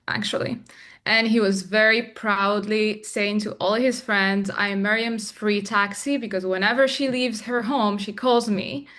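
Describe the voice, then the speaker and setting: Young woman from Morocco, a thoughtful interview guest who often pauses and restarts, mid-range voice. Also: mid-range voice, a bit bright. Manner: reflective, with frequent restarts and fillers. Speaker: filmmaker guest. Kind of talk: interview conversation.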